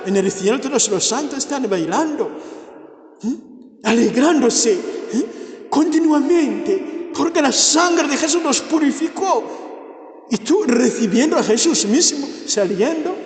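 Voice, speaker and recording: A man's voice: very high voice, lively intonation, takes it slowly. A priest, a man who is not a native speaker, preaching a homily at a healing mass with fervent, repeated invocations that rise into exclamations. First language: not Spanish. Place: church. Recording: echoey church with long reverb.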